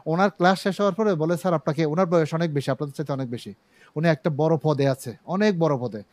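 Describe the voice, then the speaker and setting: A middle-aged man with a Chittagong Bengali accent, teaching an online English pronunciation class from his own studio, explaining slowly and having students repeat words. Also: a little high, a little mellow, no echo. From Bangladesh.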